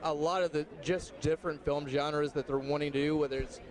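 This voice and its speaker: Eager fan interviewer, slightly high voice. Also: male voice, steady tone, a little fast. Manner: eager, rambling questions with fillers. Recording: crowd noise behind.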